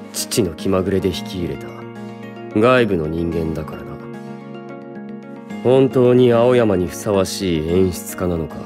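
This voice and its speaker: An actor playing a stern, arrogant young male producer in a voice drama, speaking coldly and curtly. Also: sits low. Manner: cold, curt, commanding. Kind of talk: anime-style voice drama acting.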